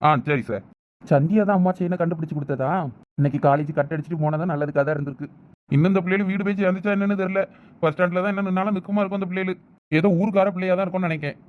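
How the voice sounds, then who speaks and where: A man's voice: sits high, fairly even intonation, phone-quality sound, lightly acted. A man with a Thoothukudi Tamil accent voicing a talkative middle-aged police officer in a cartoon, explaining things at length. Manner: rapid, chatty, explaining at length. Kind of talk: cartoon voice acting.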